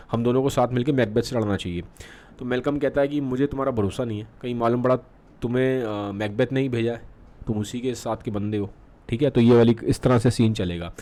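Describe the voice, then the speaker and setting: A male literature teacher explains a play in a mix of Hindi and English, checking in with the class often and frequently saying "theek hai." He reads quoted lines slowly with fillers, in a mid-range, slightly mellow voice.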